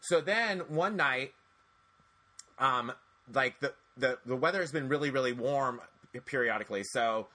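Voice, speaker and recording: Bright-voiced chatty man in his forties. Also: mid-range voice, unhurried. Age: 40s. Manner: chatty, animated storytelling with many restarts. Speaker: podcast host. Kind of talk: casual podcast chat.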